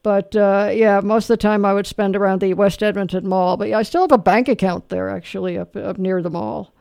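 Smooth-voiced host, dry and close. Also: mid-range voice, steady tone, brisk, a little mellow, dry recording. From Canada. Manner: rambling, self-deprecating, full of fillers. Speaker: radio show host. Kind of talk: casual radio talk.

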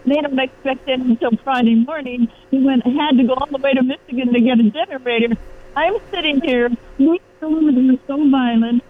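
A caller in their nineties phones into a radio chat show, sounding worried and rambling. The voice sits high, with fairly even intonation and a moderate pace. The line is garbled, tinny, noisy and bubbling, as if underwater.

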